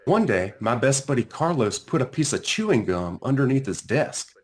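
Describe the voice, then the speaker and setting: A man reading his own children's book aloud in an expressive storytelling style, with dramatic pauses and drawn-out phrases. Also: medium pitch. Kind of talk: animated children's read-aloud narration.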